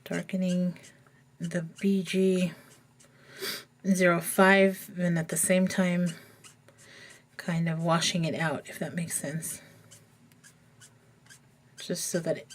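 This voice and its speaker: A woman with a somewhat low, slightly froggy voice talks casually through her coloring technique, thinking aloud as she works. It has the easy, unhurried feel of a hobby tutorial voice-over. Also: little pitch movement. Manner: chatty, thinking aloud while working.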